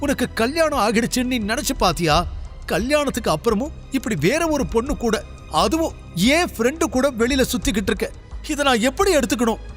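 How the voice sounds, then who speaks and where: A man voicing a furious young wife who accuses her husband, shouting and close to tears. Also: extremely high pitch, animated, brisk, soft background music, pitched above the performer's own voice. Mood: furious, tearful.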